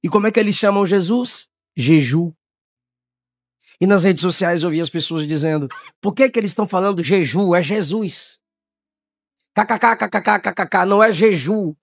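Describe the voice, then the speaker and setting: A man from Brazil preaching a Pentecostal sermon, shouting in high bursts and then dropping to low, quiet tones. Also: animated, moderate pace, no echo, clean studio sound.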